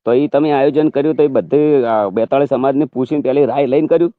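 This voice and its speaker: A man's voice: mid-range voice, fast talker, no room sound. A man with a Gujarati accent in a phone conversation, pressing his questions and complaints. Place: phone call. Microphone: telephone. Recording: tinny recorded phone call.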